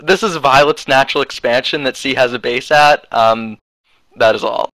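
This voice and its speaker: Bright-voiced young man casting games. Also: mid-range voice, moderate pace, dry recording, rough recording. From United States. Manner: rambling, hedging, many fillers. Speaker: esports commentator. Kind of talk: casual game commentary.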